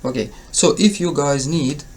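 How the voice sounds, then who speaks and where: A man's voice: on the high side, moderate pace, darkish tone. A man from Ukraine with a Ukrainian accent, an English test tutor talking casually to his viewers, hesitant with many fillers and self-corrections but encouraging. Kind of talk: casual spoken tutorial to camera.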